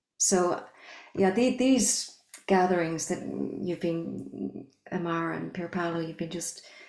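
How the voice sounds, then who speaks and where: A woman with an Irish accent speaks at a fairly low pitch. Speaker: conscious dance teacher. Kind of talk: panel discussion. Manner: halting.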